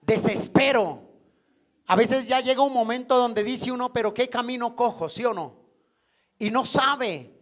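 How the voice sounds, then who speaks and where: A male pastor delivers a sermon in a church, his voice pitched remarkably high for a man. He preaches at an unhurried pace, stretching out key words. He keeps throwing questions to the congregation so they will answer back. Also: fairly bright tone. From Colombia.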